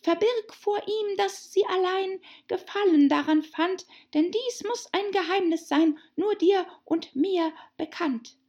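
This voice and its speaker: A woman's voice: very high-pitched, measured pace, hardly any pauses, a little mellow, pitched above the performer's own voice. A woman voicing a nervous male white rabbit who stammers and fusses in a storybook reading. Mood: reciting verse. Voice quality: stammering, flustered.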